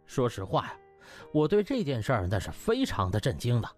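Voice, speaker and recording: A man voicing a cunning young hospital inspector in an audiobook, hesitant, mock-solemn and flattering. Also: mid-range voice, a little fast, faint music behind. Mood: mock-humble. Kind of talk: audiobook character acting.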